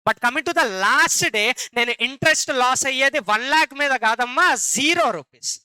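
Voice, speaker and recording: A man's voice: very high-pitched, moderate pace, bright, forceful tone, clear, resonant tone, no echo, rough recording. A man with a Telugu accent teaching a classroom lecture, often repeating questions and calling on his students for answers.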